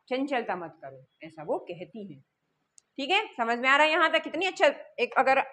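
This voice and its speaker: A woman teaching a lesson, reading lines slowly, then explaining them quickly and asking her students questions. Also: medium pitch, fairly bright tone, a little hiss or hum. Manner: explains step by step, asks the class questions and answers them.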